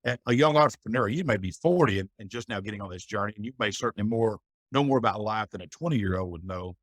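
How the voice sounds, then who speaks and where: A man's voice: fairly low pitch, fast talker, fairly bright tone, no room sound. A middle-aged man speaking as a podcast guest, giving earnest, folksy advice in a reflective conversation. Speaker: guest, business owner.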